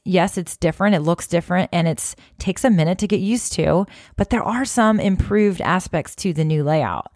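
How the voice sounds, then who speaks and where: A woman's voice: fairly low pitch, dry recording, studio quality. A woman hosting a social media tips video, talking straight to her viewers in an encouraging, conversational way with plenty of casual fillers. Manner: encouraging, conversational, many "you know" fillers. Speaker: social media marketing host. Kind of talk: direct-to-camera advice talk.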